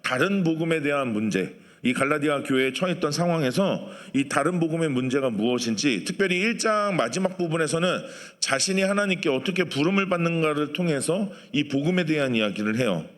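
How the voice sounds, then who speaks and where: Speaking quickly and with hardly any pauses, this pastor has a fairly bright, expressive voice on the high side. He preaches in a conversational way, questioning the people in the pews, and his words ring through the long reverb of the church sanctuary.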